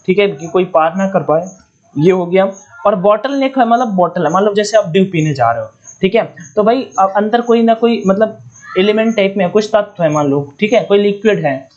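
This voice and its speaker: A man from India with a Hindi accent teaches English vocabulary in an online exam-prep lesson, spelling words letter by letter and repeating key points. His voice is high-pitched with a darkish tone, and the sound is lo-fi.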